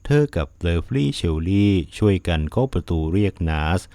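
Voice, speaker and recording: A man narrating a plot recap of a drama in a steady, even storytelling manner. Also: low voice, moderate pace, dry recording, studio quality.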